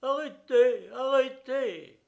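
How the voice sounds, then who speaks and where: A man voicing a desperate, wild-eyed old man with white hair who shouts accusations. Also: extremely high pitch, takes it slowly, vocal fry, lo-fi sound, voice pushed up, exaggerated voice. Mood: frantic shouting. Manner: shouting imperiously.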